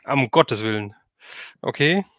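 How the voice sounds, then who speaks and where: A man's voice: mid-range voice, animated, takes it slowly, fairly bright tone, no echo, clean studio sound. A man hosting a casual livestream chat, loosely rambling and thinking aloud as he takes viewer questions. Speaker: host of a livestream.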